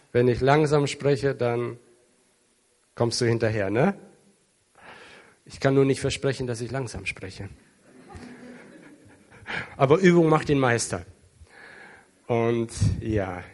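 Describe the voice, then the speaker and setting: A man preaching in a church hall with an unhurried, deliberate delivery. He sounds earnest and deeply moved, slowing on his key words and building to fervent peaks. His voice sits at an ordinary middle pitch. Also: darkish tone. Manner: emotional, earnest, with some dramatic slow emphasis and rising intensity. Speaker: pastor. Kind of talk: sermon. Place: church hall with an international congregation.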